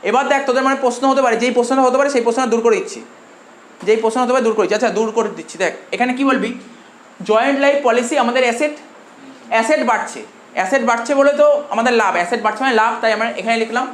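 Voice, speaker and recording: Fast-talking Bengali teacher, echoey classroom. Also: male voice, very high voice. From India. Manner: repetitive, questioning students. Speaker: commerce teacher. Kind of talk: classroom lecture. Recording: echoey room with faint noise.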